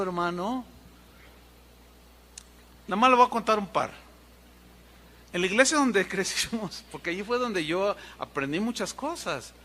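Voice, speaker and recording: A middle-aged pastor delivers an animated sermon full of anecdotes. He mimics noises and other people for humor, his fairly high voice swinging widely in pitch. His tone is bright and forceful. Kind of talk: sermon with storytelling.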